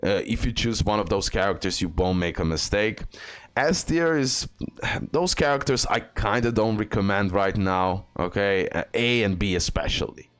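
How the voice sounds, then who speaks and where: A man giving casual, excited commentary on a mobile game, reading skill text aloud and sharing his picks. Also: fairly low pitch, moderate pace, smooth. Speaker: gaming content creator.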